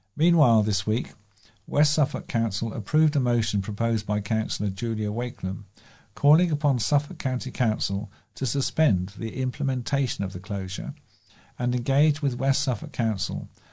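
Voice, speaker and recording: Somewhat breathy and in a British accent, the voice moves at a moderate pace with ordinary pitch variation against a quiet background. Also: man. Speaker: volunteer news reader. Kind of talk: news reading.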